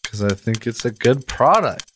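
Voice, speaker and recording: A man's voice: mid-range voice, expressive, normal speed, a bit bright, slight background noise. A man co-hosting a casual podcast, flustered and exclamatory as he guesses. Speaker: podcast co-host.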